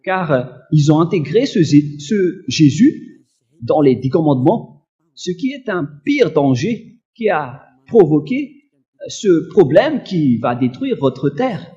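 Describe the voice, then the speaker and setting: A male preacher gives a slow, emphatic teaching sermon in a dark, mellow voice, very animated and with pitch that swings widely. He hesitates often and coughs slightly, and the recording sounds dull and lo-fi.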